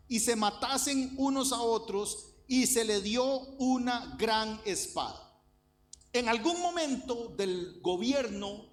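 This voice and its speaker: High-voiced pastor preaching. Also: male voice. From Costa Rica. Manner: earnest preaching, addresses the congregation directly, repeats phrases for emphasis. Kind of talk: sermon, Bible study.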